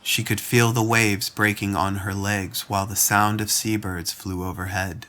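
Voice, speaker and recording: A man's voice: on the low side, flat delivery, moderate pace, pushed and bright. A man reading scripted fiction narration as the storyteller.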